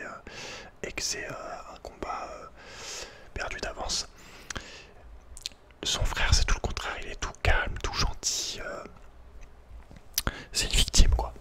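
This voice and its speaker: Guy doing asmr, all whispered, chatty and hesitant, stops and starts. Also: very high voice. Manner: hesitant, halting, informal. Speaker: ASMR creator. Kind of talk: whispered ASMR personal storytelling.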